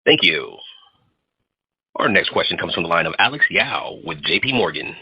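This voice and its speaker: A man's voice: low voice, lively intonation, normal speed, husky. A man acting as conference call operator, making formal announcements to introduce each questioner. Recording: muffled conference call audio.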